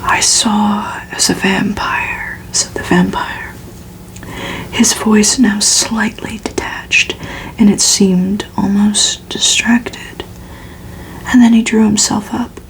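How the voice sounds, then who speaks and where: A woman reading a gothic novel aloud for ASMR in a breathy, unvoiced whisper, hushed and deliberate, with pauses between phrases. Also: medium pitch, flat delivery, low-quality recording. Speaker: ASMR reader.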